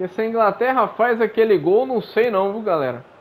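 A man speaks at a moderate pace with an extremely high pitch over noticeable background noise. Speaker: gaming youtuber. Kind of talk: gameplay commentary. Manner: animated.

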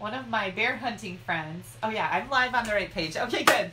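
Through noticeable background noise, a woman with an American accent speaks in an animated tone full of very wide pitch swings. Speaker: craft demonstrator. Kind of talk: casual live stream chat. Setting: Facebook live video from home. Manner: chatty, animated.

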